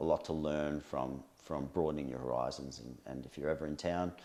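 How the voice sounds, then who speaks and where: A man with an Australian accent, very deep and low in pitch, with fairly even intonation. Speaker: police crisis negotiator. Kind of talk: casual interview. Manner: halting, many fillers.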